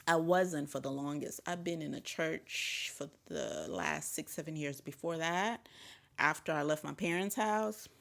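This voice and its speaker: A woman from Zambia talking in a casual chat as a podcast guest, emphatic and animated, with sudden high exclamations. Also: a little slow, vocal fry.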